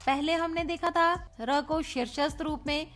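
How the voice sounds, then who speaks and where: A woman with a high voice teaches a recorded grammar lesson at an unhurried pace. She is playful with her pupils and spells words out sound by sound. Faint music plays underneath. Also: fairly even intonation, a bit bright. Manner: playful, addresses pupils as children. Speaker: Hindi teacher.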